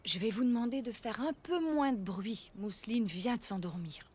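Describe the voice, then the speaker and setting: A woman playing a gentle, imaginative young mother in a children's cartoon, playful and encouraging. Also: a little high, normal speed, very noisy, lightly acted. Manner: animated, encouraging. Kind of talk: French-language children's cartoon voice acting. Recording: music behind the voice.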